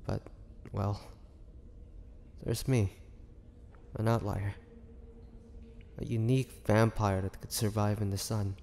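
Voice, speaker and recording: Man playing a slow, gravelly captive vampire. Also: lowish voice, flat delivery, a little mellow. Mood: haunted, pained. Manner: slow, halting, sorrowful delivery with sighs and pauses. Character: weary, bitter young male half-vampire held captive in a cage. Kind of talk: dramatic audio roleplay monologue. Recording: long hall reverb, faint noise.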